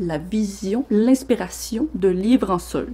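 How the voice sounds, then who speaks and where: With a Quebec accent, a woman speaks in a fairly high voice with lively intonation. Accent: Québécois. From Quebec, Canada. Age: 20s. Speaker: book reviewer. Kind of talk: casual talk to camera.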